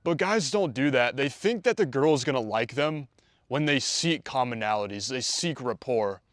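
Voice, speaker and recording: Man, dating coach, confident talk-to-camera, dry close sound, mid pitch. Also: expressive, normal speed, dry recording. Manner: confident, conversational, acts out quoted dialogue. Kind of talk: direct-to-camera coaching video.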